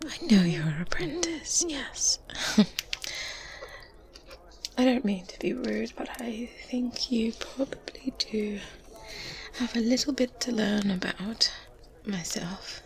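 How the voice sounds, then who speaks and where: Calm and self-assured, a woman delivers a full character voice, a little high with lively intonation, as an experienced good witch in breathy, whispered ASMR, gently condescending. She speaks slowly and deliberately with hesitant pauses and hums. The low-quality close binaural recording carries faint ambience and medieval sounds.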